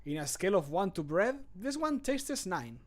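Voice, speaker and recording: A man's voice: sits high, very animated, pitched above the performer's own voice. Flamboyant food-loving game character, voiced by a man. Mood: playfully grand. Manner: flamboyant, declamatory, drawn-out endings. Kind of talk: video game voice-line recording.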